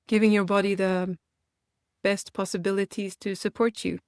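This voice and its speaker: A woman guiding a meditation for beginners in a gentle, reassuring manner, leaving unhurried pauses between phrases. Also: medium pitch, level tone, clean tone, dry recording, clean studio sound. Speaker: meditation guide and host. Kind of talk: guided meditation, gently instructional.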